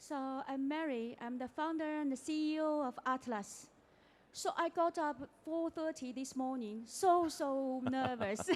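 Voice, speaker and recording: A high-pitched woman with a Chinese accent, at a fairly slow pace with ordinary pitch variation. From China. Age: middle-aged. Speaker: tech start-up founder and CEO. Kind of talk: panel presentation.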